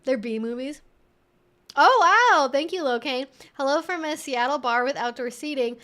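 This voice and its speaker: A woman's voice: sits high, animated, normal speed, a bit bright. A young woman hosting a livestream, chatting in an informal, rambling way as she answers viewer comments. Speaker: livestream host.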